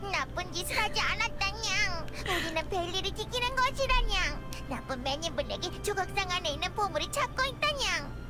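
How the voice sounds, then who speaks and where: A woman's voice: very high-pitched, lively intonation, fairly quick, heavily acted. A woman voicing a cute small cat monster in a game, who ends her sentences with a meow sound. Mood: pleading. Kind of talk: game character voice. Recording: game audio with loud music.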